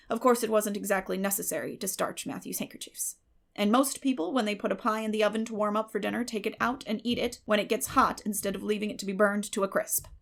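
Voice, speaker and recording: A woman's voice: mid-range voice, creaky. A woman voicing a stern middle-aged farm woman in an audiobook, dry, clipped and sarcastic. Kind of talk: audiobook character voice.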